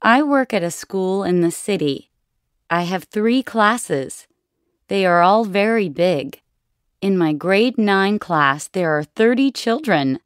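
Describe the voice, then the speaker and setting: Smooth-voiced woman reading slowly. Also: medium pitch, animated, no room sound, clean studio sound. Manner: slow, clearly enunciated. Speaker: dialogue reader. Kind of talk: scripted language-lesson dialogue.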